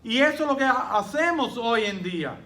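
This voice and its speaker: A man's voice: extremely high pitch, animated, moderate pace, pushed and bright. A man preaching a sermon as pastor, emphatic, with rhetorical questions and quoted voices of his congregation.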